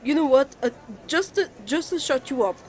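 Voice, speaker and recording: A man's voice: very high-pitched, lively intonation, normal speed, voice pushed up. A man playing a hot-tempered, easily flustered young twin brother in a romantic roleplay, stammering and indignant as he bickers. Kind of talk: romantic ASMR roleplay acting.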